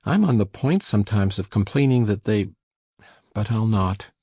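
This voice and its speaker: Woman putting on a sullen teenage farm lad, very deep gruff voice, husky, dark tone, dry sound. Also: animated, normal speed, dry recording, heavily acted. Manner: low, gruff and resentful.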